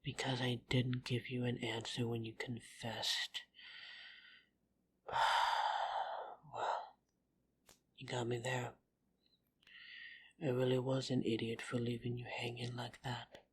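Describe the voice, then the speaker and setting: A woman's voice: extremely low pitch, flat delivery, slow, pauses often, a little hiss or hum. A woman playing a defiant, caring vampire in an audio drama, protective and bluntly sarcastic. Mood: tender, sheepish. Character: defiant, caring female vampire in love with an angel.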